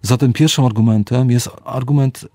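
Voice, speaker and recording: A middle-aged man, an author and psychologist, giving reflective, measured interview answers and slowing down to stress key words. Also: medium pitch, fairly even intonation, warm tone, no echo, studio quality.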